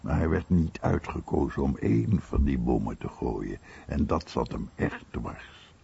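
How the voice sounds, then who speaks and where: A man giving a measured Dutch documentary voice-over of someone's recollections. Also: a bass voice, lively intonation, gravelly, warm tone, husky, heavily acted. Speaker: voice-over translator. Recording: dull, muffled radio recording.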